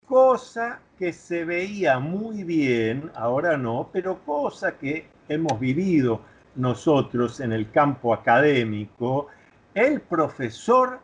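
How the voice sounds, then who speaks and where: An older man with a fairly high, breathy voice, appearing as an interview guest over a video call from his home study. He explains ideas thoughtfully in a reflective, somewhat lecturing conversation, restarting now and then with fillers.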